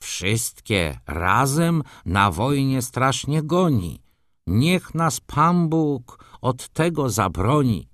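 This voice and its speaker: A man's voice: mid-range voice, very animated, very slow, fairly bright tone, no echo, studio quality, voice pushed up, exaggerated voice. A man voicing an elderly, grey-bearded Jewish moneychanger who chats and complains in broken, old-fashioned grammar. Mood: grumbling, chatty.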